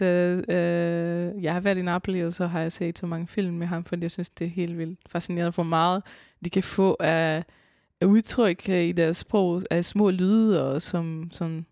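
A woman, a composer and vocalist, talking as a guest in a casual radio interview and often pausing to search for words. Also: on the low side, gravelly, darkish tone, no echo, studio quality. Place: concert hall.

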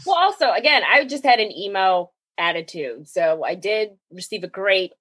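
A woman co-hosting a podcast in casual chat, animated and quick to laugh. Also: mid-range voice, breathy edge, dry recording. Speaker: podcast co-host.

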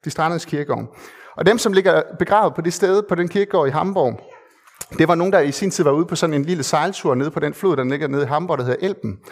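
A man preaching a sermon in an earnest, conversational way, with hesitant fillers and repeated phrases for emphasis. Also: fairly high pitch.

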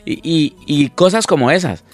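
A man's voice: fairly high pitch, moderate pace, soft background music. A man, a minister co-hosting a casual Christian talk show, acting out spouses in quoted lines and often repeating his words. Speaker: minister, co-host. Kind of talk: casual chat on a Christian program.

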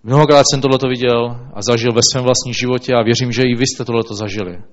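A man reading scripture aloud and then preaching, in a slow, measured way with small restarts. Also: mid-range voice, steady tone. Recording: dull lo-fi recording.

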